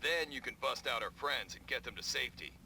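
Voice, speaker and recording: A man's voice: animated, a little fast, close to an everyday voice. An actor playing a sober, businesslike male tactician, giving a matter-of-fact briefing in a game cutscene. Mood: grave, businesslike. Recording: clear background rumble of ambience.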